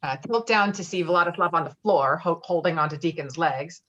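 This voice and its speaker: Low-voiced woman narrating, muffled audio. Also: normal speed, fairly bright tone, slight background noise. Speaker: stage directions reader. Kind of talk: scripted narration. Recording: dull, muffled online call audio.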